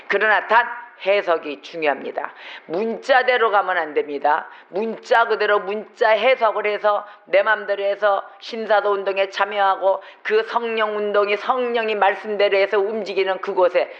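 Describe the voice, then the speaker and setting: A man with a notably high voice preaches in church, pressing his points with one rhetorical question after another. The recording sounds dull and lo-fi, muffling the top end. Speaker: pastor. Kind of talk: sermon. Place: church sanctuary.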